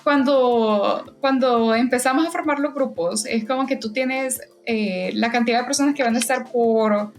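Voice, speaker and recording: A woman's voice: fairly high pitch, normal speed, hardly any pauses, soft background music. A woman guest in a casual interview, talking in a hesitant way with frequent fillers and restarts. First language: Spanish. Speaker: podcast guest, event volunteer.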